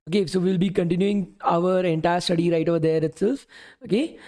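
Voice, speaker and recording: The voice is a young man's, high-pitched, creaky, and warm, tired from talking all day long. He's a coding bootcamp instructor leading a live-streamed lesson, casually answering chat questions and repeatedly saying "okay" and "guys."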